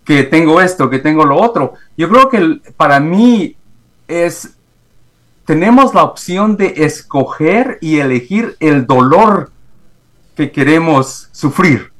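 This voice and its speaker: Hombre guatemalteco, pausado y titubeante. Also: male voice, on the high side, animated, fairly bright tone. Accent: Guatemalan Spanish. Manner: halting, many fillers and restarts. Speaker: guest, executive coach. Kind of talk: remote interview, reflective storytelling. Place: home, in the morning.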